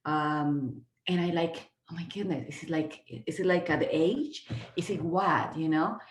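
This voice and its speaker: A native-speaking Peruvian woman in her fifties, appearing as a guest trainer, gives an earnest but halting motivational talk on a video call, full of fillers and restarts. Her voice sits low, and the room sounds echoey.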